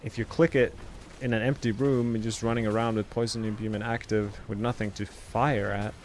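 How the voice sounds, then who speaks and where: A man with a light Swedish accent talks loosely through a live gaming stream, and his voice sits a little low. He muses out loud, stringing thoughts together with lots of "like" and "uh". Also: little pitch movement, brisk, slight background noise. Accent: Swedish, lightly softened. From Sweden. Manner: rambling, filler-heavy, musing aloud. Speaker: game streamer. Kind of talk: casual live-stream chat over gameplay.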